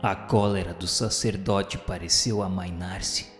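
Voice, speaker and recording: A man's voice: deep voice, steady tone, a little slow. A man narrating a radio drama in formal, literary scripted prose. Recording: echoing hall reverb, faint music. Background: faint music.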